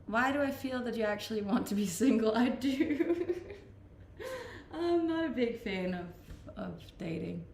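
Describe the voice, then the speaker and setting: A woman's voice: fairly high pitch, sing-song, unhurried, darkish tone, reverberant, a little hiss or hum. A woman from Denmark with a Danish accent, chatting casually on a live stream as she reads out viewer comments and answers them, laughing often. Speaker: Twitch streamer.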